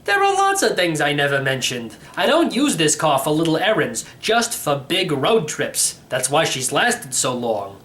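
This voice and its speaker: A man's voice: fairly high pitch, huge pitch swings, moderate pace, hardly any pauses, a bit bright, slight background noise. A man voicing a breezy, cocksure, eccentric great-uncle over a hundred years old in a children's audiobook, folksy and offhand. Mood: easygoing, folksy. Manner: folksy, offhand, stubbornly sure of himself.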